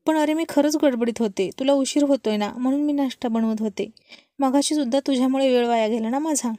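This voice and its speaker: A playful young wife with a mellow, fairly high voice, teasing her husband, as a woman reads her. It is recorded dry and close for a storybook. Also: a little fast, no room sound, lightly acted.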